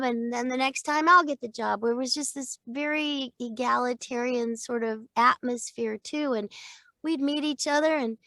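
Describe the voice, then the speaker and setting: An older woman talks with a gravelly, slightly high voice, chatty and quick to laugh. She is recorded on a studio mic in a small booth, and the sound is dry and close. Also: dry recording. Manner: chatty, animated, laughs often. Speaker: voice actor guest. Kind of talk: casual interview chat. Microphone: studio microphone.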